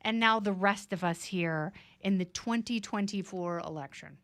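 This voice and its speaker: A woman guest-hosting a casual political podcast, quick and sarcastic with jokey asides. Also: medium pitch, a bit bright, no room sound. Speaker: guest host.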